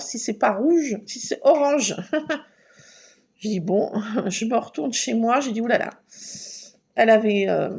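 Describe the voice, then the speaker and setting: A woman's voice: sits high, vocal fry, breathy edge. A woman vlogger telling a casual story, laughing often and acting out dialogue and sounds. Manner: lively, laughing, acts out dialogue and alarm sounds.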